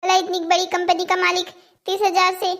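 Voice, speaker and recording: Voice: extremely high pitch, completely flat delivery, a little fast, a bit bright. A performer voicing a cheeky, childish boy who pleads and argues brazenly in a cartoon moral story. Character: cheeky, childish cartoon boys making earnest excuses.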